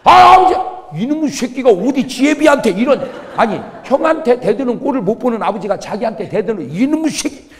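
A man's voice: high voice, very fast, few pauses, voice pushed up, close to an everyday voice. Man acting out an enraged old grandfather. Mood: furious. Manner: shouting, scolding. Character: enraged old grandfather scolding his grown son. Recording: long reverb of a church hall.

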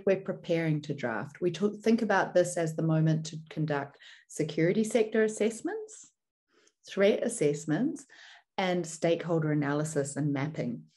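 Low, mellow New Zealand woman presenting. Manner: measured, didactic, poses rhetorical questions. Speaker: seminar presenter. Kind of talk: explanatory presentation with slides.

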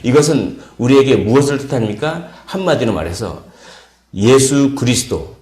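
A man preaching an early morning sermon as pastor, explaining step by step, repeating key words and pausing with fillers. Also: medium pitch, lively intonation, a little mellow, roomy sound. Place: church sanctuary.

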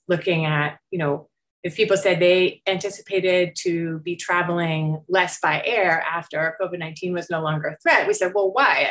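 A woman's voice: fairly low pitch, fairly bright tone. A middle-aged woman researcher explaining survey results in an informal, conversational slide presentation over a video call. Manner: conversational, explanatory, with frequent hedging and rising check-ins. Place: indoor room, on a video call.

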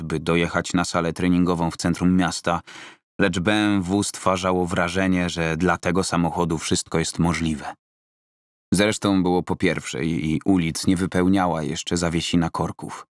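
A male audiobook narrator with a deep voice. He reads scripted fiction close to the microphone. The studio sound is dry, with no audible room. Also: dry recording.

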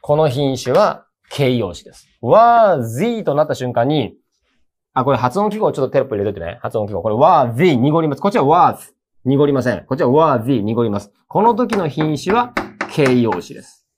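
A male teacher explains English grammar to exam students in a relaxed, slangy way. His pitch jumps around a lot as he stresses key points, and his voice sits at an ordinary middle height. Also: normal speed. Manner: lively, colloquial, emphatic. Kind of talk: casual exam-prep lecture.

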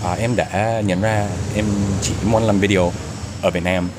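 A young American man, a native English speaker, giving casual interview answers in broken, halting Vietnamese, searching for words with a foreign accent. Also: on the low side, fairly even intonation. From United States. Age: young adult. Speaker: YouTuber being interviewed. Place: open-air restaurant or cafe. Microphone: handheld small mic with windscreen, shared. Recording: noisy outdoor ambience, traffic and hum.

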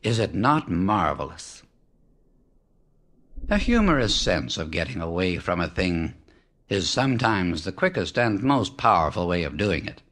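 A man reading a spiritual book aloud as an audiobook narrator, in a measured, emphatic way that slows down on key words. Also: sits low, sing-song, a bit bright. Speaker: audiobook reader. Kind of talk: solemn scripted reading of spiritual teachings.

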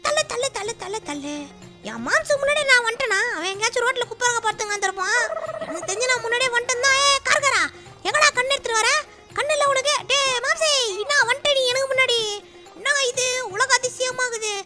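Shrill teasing young friend. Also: animated, fast talker, bright, forceful tone, faint music behind, heavily acted.

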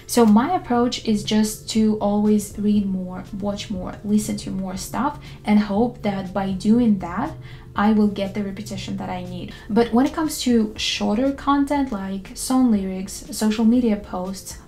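A young woman whose first language is not English speaks straight to the camera from her bedroom, explaining things in a calm and candid way. Her voice has a gravelly, fry-tinged edge and a dark, mellow timbre. The delivery sounds like a prepared talk. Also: mid-range voice. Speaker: language learning YouTuber. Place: bedroom with photo-covered wall.

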